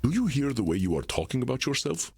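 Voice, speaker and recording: An actor playing a courtly old vampire therapist in a video game, formal, deliberate and gently probing. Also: male voice, medium pitch, big pitch swings, creaky, slight background noise. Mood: firm, instructive. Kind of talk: video game character dialogue.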